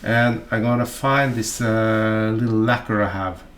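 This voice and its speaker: Slow-talking Norwegian man explaining calmly. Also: lowish voice. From Norway. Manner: halting, folksy, chatty asides, many fillers. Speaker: fly-tying instructor. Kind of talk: voice-over tutorial narration.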